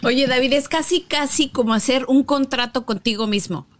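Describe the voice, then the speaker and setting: A woman's voice: high-pitched, moderate pace, slight background noise. A woman with a Mexican accent co-hosting a talk show in a casual, conversational style. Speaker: co-host.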